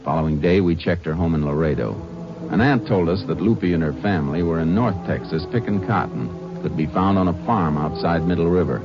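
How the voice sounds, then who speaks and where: A man playing a calm, matter-of-fact Texas Ranger who also narrates the story. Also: sits low, a little fast. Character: steady Texas Ranger lawman. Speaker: narrator and lead. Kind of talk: 1950s radio drama narration. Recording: dull old radio broadcast with music.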